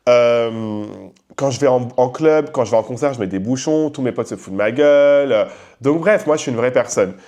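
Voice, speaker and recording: Loud, slangy young man ranting. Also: medium pitch. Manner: animated and slangy, acts out quoted people; talks loudly. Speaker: podcast host. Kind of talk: casual ranting monologue.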